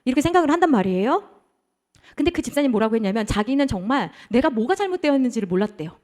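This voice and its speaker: High, animated woman preaching a sermon. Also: racing. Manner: animated, acts out quoted dialogue with rhetorical questions. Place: church.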